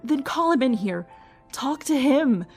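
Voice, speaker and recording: Troubled loyal woman, audio drama: emotional, imploring, higher register, light music bed. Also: animated, unhurried, a little mellow, breathy edge, heavily acted. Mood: pleading. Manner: pleading, emotional.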